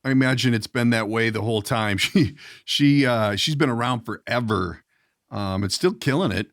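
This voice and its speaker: A man's voice: medium pitch, moderate pace, a bit bright. A man interviewing a guest as podcast host, in a loose, informal and colloquial way. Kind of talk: casual conversational interview.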